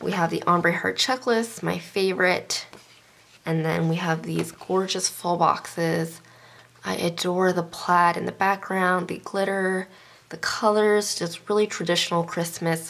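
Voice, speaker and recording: The speech is quiet and fairly slow, with fairly even intonation. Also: woman, fairly low pitch for a woman. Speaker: planner and sticker video creator; sticker video creator. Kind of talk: product haul show-and-tell. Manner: hushed, keeping voice down; careful enunciation. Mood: cheerful, admiring.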